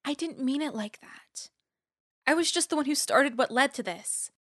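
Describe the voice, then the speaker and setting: A woman's voice: high-pitched, lively intonation, normal speed, fairly bright tone, dry recording, clean studio sound. A woman playing an indignant, fiercely principled academic activist in an audio drama, speaking in an emphatic, impassioned way. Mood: guilty, apologetic.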